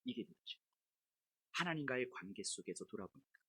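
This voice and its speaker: A woman's voice: very deep voice, very animated, fairly quick, a bit bright, husky, no echo. A middle-aged woman pastor giving a sermon, telling a personal story and at times raising her voice to replay her complaints.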